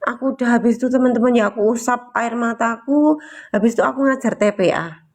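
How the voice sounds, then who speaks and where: Woman, kinda high voice, emotional casual storytelling, keeps going "you know?". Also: brisk. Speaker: motivational storyteller.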